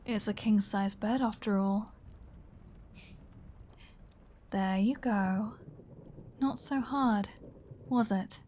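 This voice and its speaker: A woman acts out a female vampire in an ASMR audio drama, speaking at a slow, savoring pace in a medium register. She is flirty and sardonic, with playful menace under the teasing. Her delivery is close and intimate, ready to sink toward a whisper. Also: mid-range voice, a little mellow. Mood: impatient, teasing. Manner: teasing, sardonic, drawling, drops into breathy whispers. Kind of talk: ASMR audio roleplay, intimate scripted acting.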